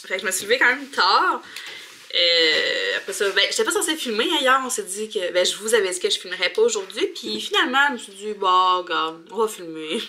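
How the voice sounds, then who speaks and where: A woman's voice: mid-range voice, lively intonation, a little fast, bright, forceful tone. A young woman with a Quebec French accent, chatting informally and colloquially to the camera as a vlogger in her home bathroom. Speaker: mom vlogger. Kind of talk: casual vlog chat to camera.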